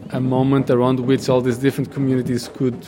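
A man from Portugal, a graffiti artist speaking haltingly in a street interview, with many pauses and ums. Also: mid-range voice, completely flat delivery, noisy background. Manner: hesitant, halting, full of ums.

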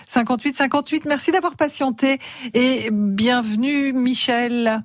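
A woman's voice: sits high, unhurried, dry recording, clean studio sound. A woman hosting a radio gardening call-in, introducing the guest expert and taking callers. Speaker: radio host. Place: radio studio.

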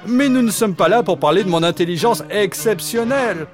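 A man's voice: sits high, lively intonation, brisk, pitched above the performer's own voice. A man voicing a clever, boastful talking pet dog who speaks proudly and grandly in a children's story, with music behind. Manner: proud, chatty and grandly articulate.

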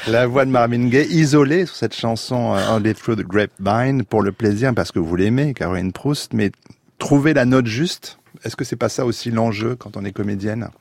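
A man's voice: mid-range voice, moderate pace, darkish tone, no echo. A man hosting a radio interview in a studio, asking probing questions and murmuring brief acknowledgements. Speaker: radio host.

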